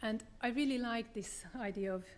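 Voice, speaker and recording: A woman from Hungary, presenting her book as a dramaturg in a measured public talk with frequent hesitations, holding a microphone. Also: on the high side. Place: theater event space. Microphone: handheld microphone.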